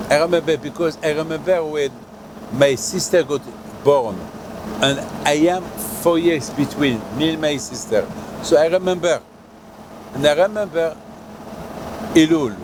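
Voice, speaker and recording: An older man from Morocco, a rabbi giving a sermon outdoors in a halting way, with many fillers and restarts. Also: on the high side, background noise. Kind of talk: sermon at a holy site.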